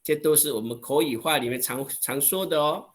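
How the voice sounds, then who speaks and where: A man with a Taiwanese Mandarin accent and a fairly high pitch teaches an online language lesson over a video call. He acts out exclamations with drawn-out, expressive voicing.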